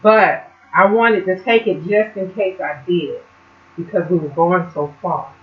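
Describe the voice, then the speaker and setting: A woman's voice: lowish voice, unhurried. A woman hosting a casual cooking vlog, chatting and explaining each step as she cooks. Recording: dull lo-fi home video sound.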